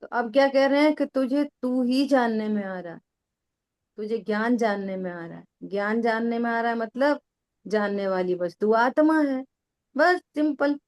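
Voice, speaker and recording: A woman's voice: fairly high pitch, normal speed, darkish tone. A middle-aged woman teaching a spiritual discussion, answering questions patiently with everyday examples and repeated phrasing.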